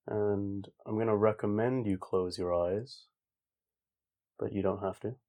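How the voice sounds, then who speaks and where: Male meditation guide: low, level voice, slow and calm, informal phrasing with long gaps. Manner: calm, unhurried, with long pauses. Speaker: meditation teacher. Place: online group session over video call.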